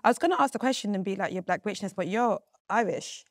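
A woman's voice: mid-range voice, expressive, quick pace, no room sound, clean studio sound. Playful British woman hosting a chat. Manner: playful, laughs often, teasing questions. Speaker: host. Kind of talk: casual interview chat.

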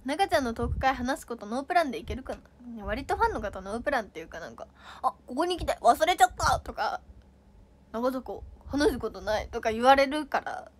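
A woman's voice: high-pitched, very animated, fast talker. A young woman chatting casually on a livestream, playfully reading out viewer comments and reacting with giggles. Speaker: idol livestreamer.

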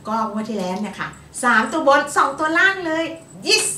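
Chatty Thai-speaking woman, bright tone, echoey. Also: sits high, big pitch swings, far from the mic, slight background noise. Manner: chatty, upbeat, quick to laugh. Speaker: astrologer co-host. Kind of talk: casual chat. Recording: echoey room, voice from off-mic.

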